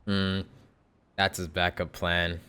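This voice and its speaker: Playful low-voiced male streamer. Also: monotone, slow, heavy background noise. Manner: playful, teasing, slangy asides. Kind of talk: live reaction commentary over a game.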